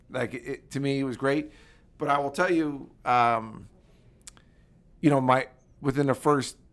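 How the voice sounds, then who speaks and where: With a Philadelphia accent, a man talks on a very clean recording with a silent background. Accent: Northeast Philadelphia. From Philadelphia (Northeast Philly), US. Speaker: war veteran and former politician. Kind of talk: podcast interview. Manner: fast; animated.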